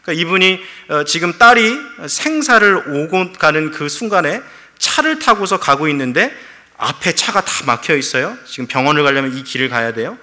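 A man's voice: fairly high pitch, sing-song, moderate pace, bright, forceful tone. A middle-aged man preaching a sermon as pastor, telling a story with feeling and acting out quoted prayers.

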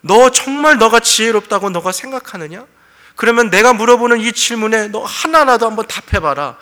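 A man's voice: sits high, lively intonation, normal speed, pushed and bright, long reverb tail, pitched above the performer's own voice. A man voicing a stern God who questions and challenges a man, within a sermon. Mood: challenging. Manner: challenging, interrogating.

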